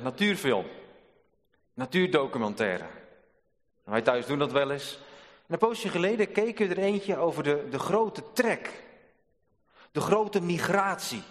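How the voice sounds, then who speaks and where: A man preaching a sermon in a church, deliberate and repeating key phrases for emphasis. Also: on the high side. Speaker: pastor. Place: church sanctuary. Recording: long church hall reverb.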